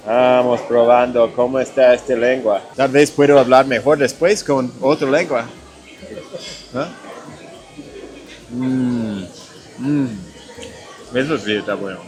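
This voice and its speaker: A man's voice: medium pitch, slow, pauses often, darkish tone, soft background music. A man hosting a food vlog in a restaurant, chatting casually and stopping often to search for his words. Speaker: vlog host tasting food.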